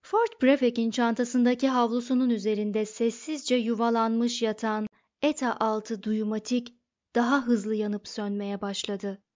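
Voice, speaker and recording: Woman reading an audiobook, steady storyteller, kinda high voice, muffled lo-fi audio. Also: measured pace. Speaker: audiobook narrator. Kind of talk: scripted narration. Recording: dull lo-fi recording.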